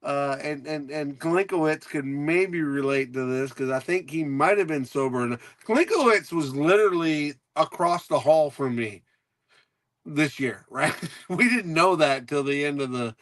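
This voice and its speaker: Man, casual rambling chat, laughs often, slightly high voice, dry sound. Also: normal speed, fairly bright tone, no echo. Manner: rambling, laughing, repeats himself. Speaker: co-host.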